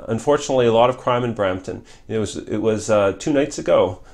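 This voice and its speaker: A middle-aged Canadian man whose first language is Polish, once a member of Parliament, answers interview questions in a lowish, gravelly voice at a fairly quick clip. He's earnest but repetitive, restarting often.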